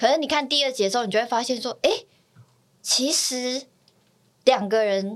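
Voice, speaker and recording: A woman's high voice in a Taiwanese accent, moderate in pace, with ordinary pitch variation. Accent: Taiwanese Mandarin. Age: 20s. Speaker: actress. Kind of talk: casual chat.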